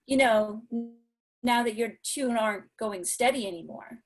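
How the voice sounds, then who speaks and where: A woman playing an awkward high school teacher in an amateur table read, speaking haltingly and hesitantly. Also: rough recording.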